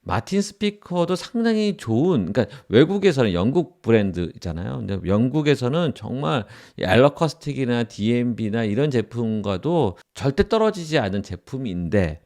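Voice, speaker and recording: Male tutorial lecturer, informal and explanatory, expressive swings in intonation with a fry-edged tone. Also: medium pitch, normal speed, hardly any pauses. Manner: explanatory, often restating points for emphasis. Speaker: audio engineering instructor.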